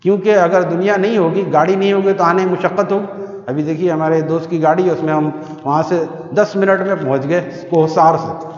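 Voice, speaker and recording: A man from Pakistan preaching a sermon to worshippers in a mosque, conversational with rhetorical questions, sometimes reciting verses in a slow melodic chant. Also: high voice, steady tone, darkish tone. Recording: echoey hall, muffled sound.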